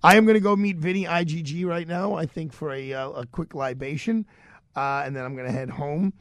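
A man's voice: fairly high pitch, a little fast, no echo. A middle-aged man, hosting a radio show in casual, loose, familiar talk, a little under the weather. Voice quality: raspy. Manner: warm, familiar, loose with fillers. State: slightly sore throat. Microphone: studio microphone.

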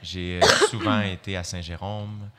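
Very deep-voiced Québécois woman host. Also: fairly even intonation, a bit bright. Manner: quick reactive questions. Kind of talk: casual interview chat.

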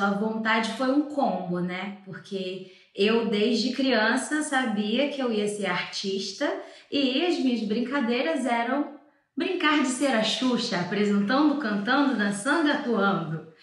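A woman in her twenties from São Paulo, a guest actress chatting lively in a talk show interview. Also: on the high side, a little slow, heavy reverb. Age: 20s.

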